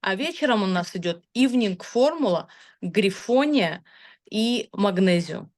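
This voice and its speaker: A woman's voice: mid-range voice, lively intonation, measured pace, darkish tone. A woman in her thirties talking casually about her own results, chatty and hesitant, with frequent filler sounds. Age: 30s. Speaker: customer sharing product results. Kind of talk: casual testimonial talk.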